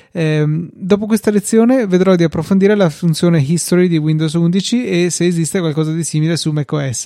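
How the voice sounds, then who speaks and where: Mellow-voiced Italian man, close and dry. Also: on the high side, no room sound. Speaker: podcast host. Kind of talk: conversational tech commentary, reading out listener mail.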